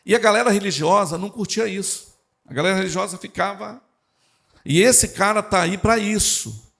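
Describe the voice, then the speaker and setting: Male pastor, church sermon, animated delivery, gravelly voice, fairly high. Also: moderate pace. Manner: animated preaching, addresses the congregation directly.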